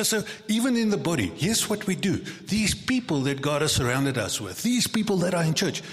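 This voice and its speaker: A male pastor preaching a sermon in a church, animated and conversational, acting out quoted voices and joking with his congregation. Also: fairly low pitch. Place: church sanctuary. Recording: long reverb of a large hall.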